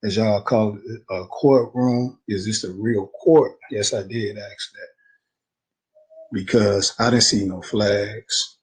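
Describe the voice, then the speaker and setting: A man in an interview, retelling a court visit in a rambling, animated way, quoting what people said. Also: fairly low pitch, slow, slightly rough, low-quality recording. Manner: rambling, animated retelling with slang and quoted dialogue. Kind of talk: casual storytelling.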